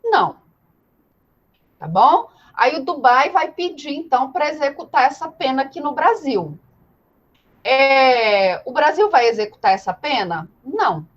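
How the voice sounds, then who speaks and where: Animated, high-voiced Brazilian woman teaching. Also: a little slow, muffled recording. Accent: Brazilian Portuguese. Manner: didactic, full of rhetorical questions and repetition. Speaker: law teacher. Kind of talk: live online lecture, informal and conversational.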